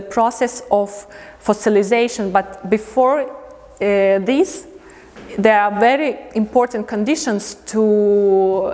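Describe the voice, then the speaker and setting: A woman from Latvia gives a prepared lecture as an artist in English, halting as she looks for words. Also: a little high, darkish tone. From Riga, Latvia. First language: not English. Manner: halting, pausing to find words. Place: indoor museum lecture space. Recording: long reverberant hall.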